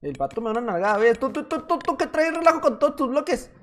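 A man's voice: very high-pitched, expressive, fast. A man with a Mexican accent giving playful, teasing gameplay commentary as a gaming YouTuber. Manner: playful, teasing, jokey banter.

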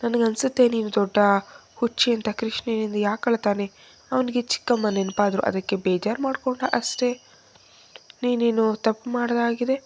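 A woman voicing an angry young man who scolds his girlfriend loudly from a hospital bed. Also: mid-range voice, steady tone, moderate pace, slight background noise, natural voice. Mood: scolding. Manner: scolding, loud and sharp.

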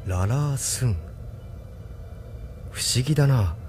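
An actor playing a thoughtful, earnest young man in a radio drama, speaking softly and reflectively. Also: mid-range voice, lively intonation, slow pace, faint music behind. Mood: curious. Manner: soft-spoken, reflective. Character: thoughtful young male leader, gentle and earnest.

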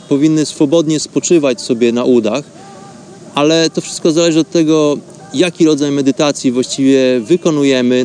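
A man hosting a radio show, giving instructional talk in an explanatory way, pausing now and then to find words. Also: fairly high pitch, a little mellow, slight background noise. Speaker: host of a radio show on meditation.

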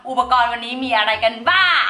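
A woman's voice: fairly high pitch, expressive, quick pace, bright, forceful tone, soft background music. A woman hosting a chatty craft tutorial, bubbly and polite, talking straight to her viewers. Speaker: slime-making channel host.

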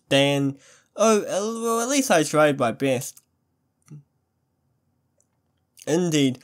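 A man playing an affectionate, playful young boyfriend on a date in an ASMR-style audio roleplay, doting and easily excited. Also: on the high side. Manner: doting, pet names, mock sports commentary.

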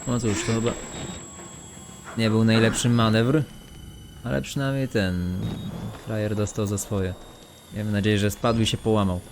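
A streamer with a lowish, level voice talks at a moderate pace, pausing often, as he plays a horror game live. He mutters and swears to himself and his viewers, and the game stream audio is noisy.

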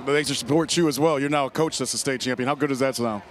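A man's voice: medium pitch, fast. A middle-aged American man interviewing as a sideline sports reporter after a game, on a handheld mic in an arena. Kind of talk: postgame TV interview. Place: on the court of a large indoor arena. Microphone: handheld reporter microphone.

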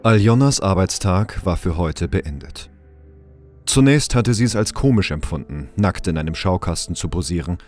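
A man's voice: low-pitched, expressive, moderate pace, a little mellow, faint music behind. A man reading scripted narration for a German audio drama.

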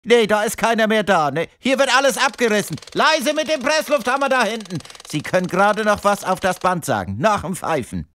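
Demolition workman for comic phone message, male actor: loud, blunt, high and animated. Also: brisk, hardly any pauses, slight background noise. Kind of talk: comic answering machine sketch.

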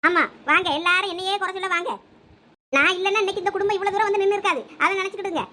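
A woman playing a defensive, sharp-tongued elder sister in a village comedy skit, speaking with a Thoothukudi Tamil accent and quick retorts. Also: very high voice, steady tone. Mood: aggrieved.

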